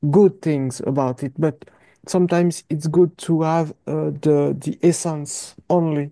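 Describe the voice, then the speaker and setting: Speaking at a fairly slow pace with a French accent, the voice comes through against a quiet background. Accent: non-native English accent, French. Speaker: interviewer, meditation channel host. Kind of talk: interview. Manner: halting, many hesitations.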